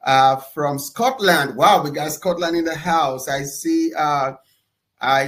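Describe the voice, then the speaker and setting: A man with a Nigerian accent hosting a live webinar, energetic and enthusiastic, often pausing on "uh" and ending points with "okay?". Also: fairly high pitch. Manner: energetic, enthusiastic shout-outs; fillers and repeated "okay?". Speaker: webinar host.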